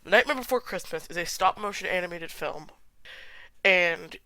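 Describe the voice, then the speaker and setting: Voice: medium pitch, normal speed, pushed and bright, no echo, poor audio. A podcast host with a stuffy nose and sore throat, chatting casually and giving opinions in a solo film review. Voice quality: congested.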